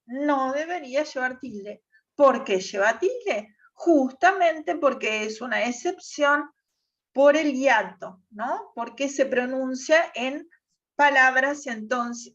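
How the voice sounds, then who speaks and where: A woman teacher explaining spelling rules to her class, often checking in with a quick "tá?". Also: high voice, fairly bright tone, highs cut off. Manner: checks understanding with frequent "¿tá?". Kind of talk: classroom lesson on Spanish accent rules.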